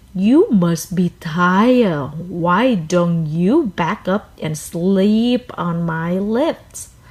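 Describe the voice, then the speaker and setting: A woman's put-on character voice at medium pitch, very slow pace and hardly any pauses. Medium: read story.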